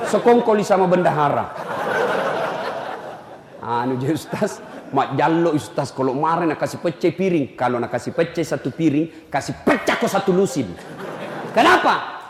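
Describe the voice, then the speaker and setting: A man preaching a humorous sermon to a crowd, animated and teasing, shouting his points. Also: on the high side, normal speed. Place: large echoey hall with audience. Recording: echoey hall, long reverb, faint noise.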